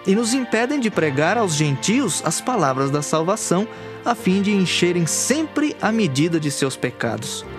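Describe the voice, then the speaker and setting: A man's voice: sits high, sing-song, moderate pace. A man with a Brazilian accent reading scripture from a script for an audio Bible, in an earnest, declamatory way. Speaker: scripture reader. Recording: music under the voice. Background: background music.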